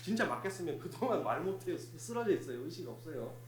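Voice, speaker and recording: A fire safety instructor gives a hands-on first aid demonstration to a live group in the echoey hall of a place of worship. His voice sits on the high side, with big pitch swings and a quick pace, and he is instructive and repetitive. There is a little hiss or hum.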